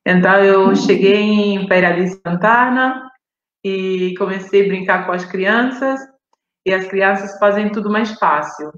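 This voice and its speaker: A woman from Brazil who grew up in Italy, telling her personal story at an unhurried, reflective pace and pausing to search for words. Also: medium pitch, echoey room, muffled recording. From Brazil, raised in Italy. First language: Italian. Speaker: guest on a live stream. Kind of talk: personal storytelling on a video call.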